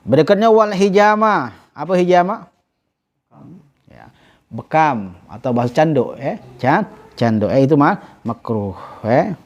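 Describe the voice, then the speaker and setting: A male religious teacher gives a lecture in a somewhat high voice. He reads Arabic text slowly, then explains it in halting, self-correcting speech, checking in with "ya". The recording sounds dull and lo-fi. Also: sing-song. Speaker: ustadz teaching a kitab class.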